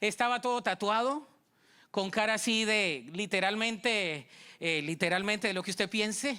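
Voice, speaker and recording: Raised and projected, a man's high, bright, sharp voice carries an animated tone at a moderate pace with ordinary pitch variation. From Colombia. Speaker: pastor. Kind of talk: sermon.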